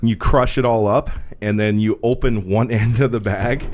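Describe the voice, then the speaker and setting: A man telling a profane, animated story in casual podcast chat. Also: lowish voice, normal speed, slight background noise. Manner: animated, profane, laughs a lot. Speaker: podcast host.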